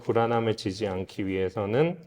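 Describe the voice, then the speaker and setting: In a hall-like room full of reverb, a man with a fairly low, slightly mellow voice talks briskly. He's a guest expert explaining philosophy in an interview, earnest and reflective in a lecturing way.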